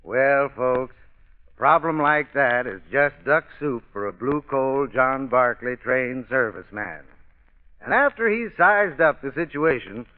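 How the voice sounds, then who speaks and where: A man's voice: mid-range voice, expressive, a little slow. A man giving a scripted old radio advertisement as an expert spokesman, in a folksy, plainspoken manner. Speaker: sponsor's heating expert spokesman. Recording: tinny, narrow-band vintage radio.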